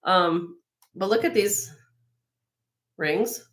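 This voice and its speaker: Slightly raspy woman showing jewelry. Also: lowish voice, very slow. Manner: chatty, admiring, with frequent fillers and restarts. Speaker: host of a live jewelry sale. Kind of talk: casual show-and-tell product presentation.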